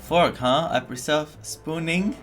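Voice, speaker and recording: A man's voice: on the high side, takes it slowly, fairly bright tone, soft background music. A man streaming a video game, reacting casually with incredulous, repetitive muttering.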